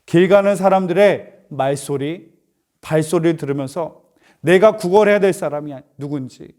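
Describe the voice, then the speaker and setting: A man, a pastor, preaching an animated storytelling sermon to youth, asking rhetorical questions and acting out the characters. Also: on the high side. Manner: animated, acts out voices, asks rhetorical questions. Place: church.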